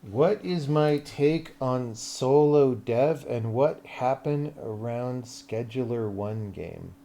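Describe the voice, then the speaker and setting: A man's voice: medium pitch, expressive, takes it slowly, vocal fry, dark tone. A man live-streaming as a game developer, chatting casually and thinking aloud as he works, often muttering questions to himself. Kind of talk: casual livestream chat, thinking aloud while working.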